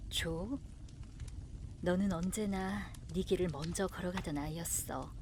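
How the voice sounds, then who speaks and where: A gentle middle-aged mother gives wise counsel in an audio drama. Her voice is on the low side, with faint ambient noise behind it. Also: a little slow. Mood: tender, wise.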